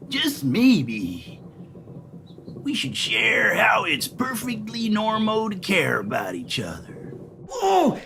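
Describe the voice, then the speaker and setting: Performer doing a raspy pompous wasteland dealer, slow and swoopy, yells a lot. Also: mid-range voice, slight background noise, full character voice. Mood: giddy. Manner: formal wording, shouts, turns giddy. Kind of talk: comedy audio sketch.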